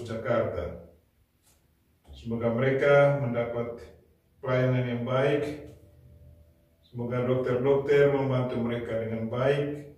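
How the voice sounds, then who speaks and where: Older priest reciting mass prayers in echo. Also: male voice, medium pitch, darkish tone. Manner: measured liturgical recitation. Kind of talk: leading Catholic mass prayers. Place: small chapel, indoors. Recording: very echoey chapel from far off.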